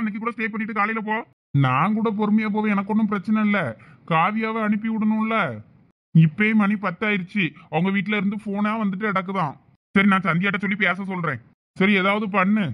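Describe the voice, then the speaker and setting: A man's voice: high-pitched, dull audio, lightly acted. A man voicing a flustered young village husband in a comic cartoon family drama, with a Thoothukudi Tamil accent and a pleading, coaxing manner. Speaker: cartoon voice actor.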